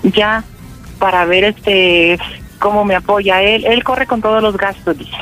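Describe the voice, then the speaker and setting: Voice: medium pitch, steady tone, a bit bright, soft background music, close to an everyday voice, poor audio. Someone playing a hesitant trans woman. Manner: halting, filler-heavy. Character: young trans woman calling her mother, nervous. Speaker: prank caller. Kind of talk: prank phone call role-play.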